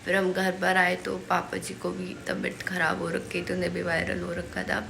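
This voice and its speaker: A woman's voice: fairly low pitch, monotone, normal speed, creaky, background noise. A young woman chatting in a rambling, casual way in a home vlog while nursing a sore throat and a cold. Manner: chatty, rambling, many fillers. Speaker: family vlogger.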